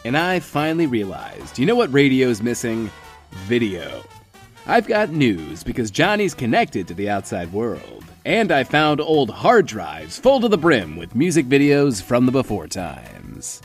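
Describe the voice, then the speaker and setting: An actor playing a self-absorbed post-apocalyptic radio host in a comedy, with showy, sardonic, mock-boastful patter. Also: male voice, medium pitch, wildly swooping pitch, a little slow, soft background music. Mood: smug, gleeful. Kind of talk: comedic audio drama radio DJ acting.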